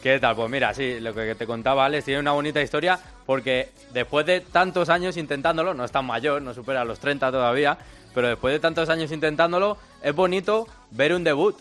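A man's voice: fairly high pitch, fairly quick, fairly bright tone, soft background music. A man co-hosting a sports radio show, introducing a guest in conversational style.

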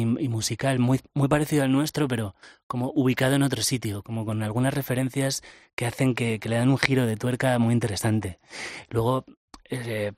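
A man's voice: mid-range voice, darkish tone, dry recording, studio quality. A man with a Castilian Spanish accent chatting casually as a musician being interviewed. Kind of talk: casual chat.

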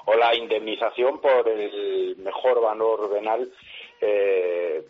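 A man giving a halting, conversational motorcycle news report on the radio, often adding tag questions. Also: lowish voice. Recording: tinny telephone line.

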